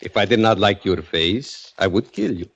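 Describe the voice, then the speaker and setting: A grinning Mexican knife killer. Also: male voice, fairly low pitch, normal speed, gravelly, breathy edge, exaggerated voice. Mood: calm menace. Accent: Mexican Spanish. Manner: calm, matter-of-fact, chuckling menace. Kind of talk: 1940s radio drama acting. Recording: dull lo-fi old radio recording.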